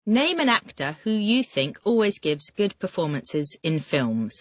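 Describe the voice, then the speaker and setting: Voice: medium pitch, sing-song, no room sound. Teacher firing drill questions over tinny audio. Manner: reads words then asks quick repetitive questions. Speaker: English teacher. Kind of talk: Callan method drill questioning. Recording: tinny phone-like dry audio.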